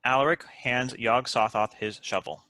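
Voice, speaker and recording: A man reading stage directions as scripted narration for an animated comedy table read. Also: mid-range voice, normal speed, dry recording.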